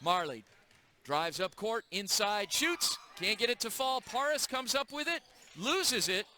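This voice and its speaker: A man calling a live high school basketball game play by play in a gym, brisk and energetic. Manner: brisk, energetic call of the action. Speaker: play-by-play announcer.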